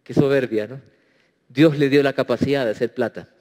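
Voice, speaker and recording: A man's voice: mid-range voice, fairly even intonation, fairly quick, darkish tone. A man preaching a sermon as pastor, emphatic and acting out quoted prayers. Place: church. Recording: reverberant church hall.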